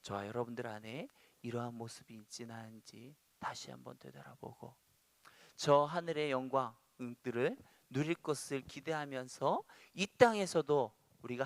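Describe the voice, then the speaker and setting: Korean pastor preaching, dramatic swings. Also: male voice, mid-range voice, gravelly, no echo. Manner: swings from quiet reading to loud acted outbursts. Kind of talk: sermon.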